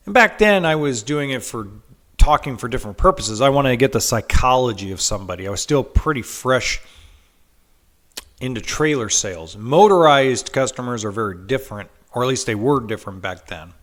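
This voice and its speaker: A man's voice: mid-range voice, lively intonation, normal speed, fairly bright tone. Congested man hosting a podcast. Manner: storytelling, frequent ums and restarts. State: congested from a head cold. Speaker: podcast host. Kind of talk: casual podcast monologue.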